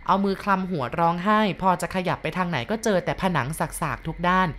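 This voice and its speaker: A woman's voice: fairly low pitch, a little fast. A woman narrating a ghost story in a polite, conversational storytelling manner. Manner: polite and conversational, with soft sentence endings.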